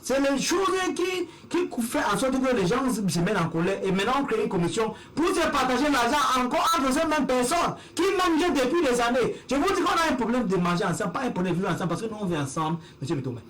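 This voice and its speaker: A man from Cameroon, a guest in a heated TV panel debate, arguing forcefully and repeating himself for emphasis. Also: very high voice, expressive, quick pace, hardly any pauses.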